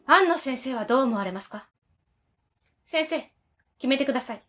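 A woman plays a middle-aged female district chief with authority and composure. Her voice sits fairly high and moves with lively intonation, politely commanding in radio drama style, faint music behind. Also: moderate pace. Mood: firm. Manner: formal, commanding, crisp politeness. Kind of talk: amateur web radio drama acting.

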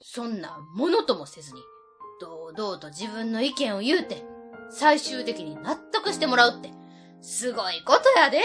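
An actress playing a chatty, teasing middle-aged aunt with a Kansai accent in an amateur web radio drama. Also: female voice, mid-range voice, close to an everyday voice. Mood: admiring. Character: lively middle-aged prankster aunt, warm-hearted.

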